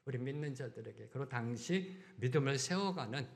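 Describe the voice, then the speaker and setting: A middle-aged male pastor preaching a sermon in a church, full of rhetorical questions and repeated phrases, swinging between loud emphasis and quiet asides. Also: mid-range voice, animated, a little fast, gravelly. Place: church sanctuary.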